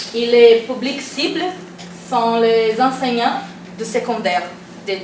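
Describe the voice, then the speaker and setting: Amid noticeable background noise and audible room echo, a woman speaks at a fairly high pitch and a fairly slow pace. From Brazil. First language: Portuguese (speaking French). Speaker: doctoral student presenting research. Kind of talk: seminar presentation. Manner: halting, many hesitations.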